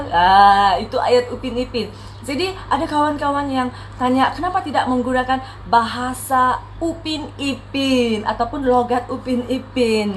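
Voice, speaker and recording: With noticeable background noise behind her, a woman speaks slowly-ish at a high pitch, with ordinary pitch variation. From Malaysia, Sabah (Tawau). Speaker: vlogger. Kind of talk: casual vlog talk. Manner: halting, many fillers.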